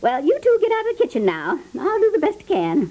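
A crotchety older aunt from a small town in 1950s radio comedy. Her voice is high and swoops animatedly. She grumbles in a folksy way and is easily affronted. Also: huge pitch swings, fast talker, mellow, exaggerated voice. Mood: grumbling.

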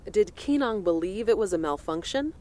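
A woman playing a senator who questions a witness in measured, probing tones in an audio drama. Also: medium pitch, animated, warm tone, natural voice. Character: cool, secretive female senator interrogator.

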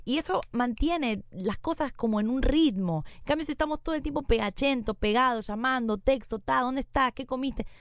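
A woman's voice: high-pitched, normal speed, few pauses, no echo, studio quality. A young woman with a Rioplatense accent co-hosting a casual podcast, playful and teasing. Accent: Rioplatense Spanish. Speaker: podcast co-host.

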